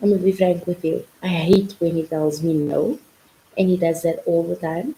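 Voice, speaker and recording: A woman's medium-pitched voice, dark and mellow in tone, somewhat breathy. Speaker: YouTuber. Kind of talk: casual chat. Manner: casual, with fillers.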